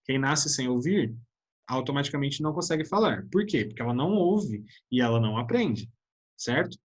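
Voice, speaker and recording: Husky Brazilian teacher, chatty. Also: male voice, mid-range voice, expressive, normal speed. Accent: Brazilian Portuguese. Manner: chatty, keeps addressing the class with tag questions. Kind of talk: online lesson.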